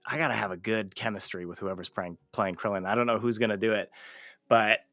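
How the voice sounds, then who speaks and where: A man's voice: fairly low pitch, a little fast, a bit bright, dry recording. A man hosting a casual livestream interview, talking informally and swearing freely. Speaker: show host and amateur voice actor.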